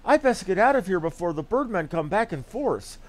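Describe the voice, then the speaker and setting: Man playing a formal, high-pitched fantasy coachman. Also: big pitch swings, fairly quick. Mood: relieved. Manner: formal, archaic storybook phrasing. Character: rescued fantasy coachman, formal, grateful and shaken. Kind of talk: reading game dialogue aloud in character.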